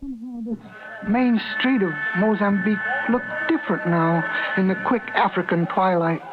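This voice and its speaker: A man's voice: high-pitched, normal speed, close to an everyday voice. A man playing a timid, fussy store clerk who narrates a 1950s radio drama, hesitant and stammering. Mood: fretful. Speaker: lead actor and narrator. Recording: tinny old radio broadcast with music.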